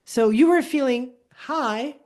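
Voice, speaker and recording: French-speaking woman in her 40s, kinda high mellow voice, chatty coach, acts out little dialogues. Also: slow. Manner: animated, repeats words and restarts, acts out quoted dialogue. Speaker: host, wellness coach. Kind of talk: casual podcast conversation.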